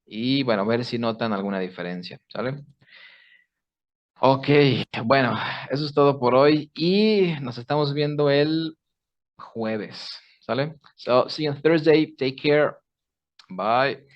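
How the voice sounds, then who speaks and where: A man's voice: mid-range voice, slow. A man teaches pronunciation in an online class, walking his students through each sound step by step. He checks in with them often. The audio is a bit dull and lo-fi, like a video call. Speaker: English teacher.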